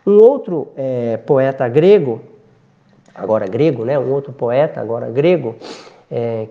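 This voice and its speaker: A man giving a spiritist lecture, speaking slowly and reflectively, with frequent hesitant fillers between phrases. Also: mid-range voice, vocal fry, dark tone, highs cut off.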